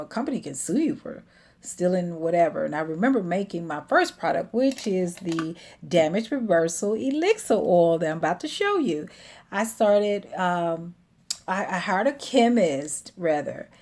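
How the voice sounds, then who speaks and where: A middle-aged woman, a hair care business owner, telling her personal story in a chatty way with many fillers. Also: fairly low pitch.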